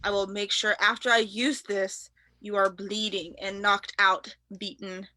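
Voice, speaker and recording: A woman's voice: medium pitch, flat delivery, unhurried, pushed and bright, no room sound. A woman playing a cocky young male wrestler, a vengeful braggart, in an amateur staged reading of wrestling promos. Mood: menacing, boastful.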